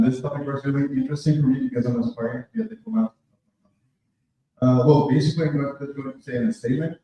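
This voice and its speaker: Young man, animated intonation, emphatic repeated points, conference question, far from the mic, faint noise. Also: fairly high pitch, dull audio. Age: young adult. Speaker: audience member asking a question. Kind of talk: prepared statement at a conference. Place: large indoor conference room. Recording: echoey hall, distant mic, faint noise.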